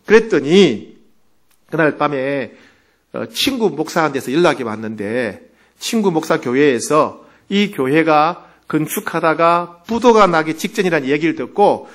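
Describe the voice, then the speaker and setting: A male pastor preaching a sermon, telling the story vividly and acting out its people. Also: a little high.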